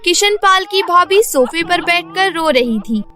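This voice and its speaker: A woman's voice: very high voice, lively intonation, measured pace, sharp tone, soft background music. A woman narrating a scripted bedtime cartoon story as its storyteller.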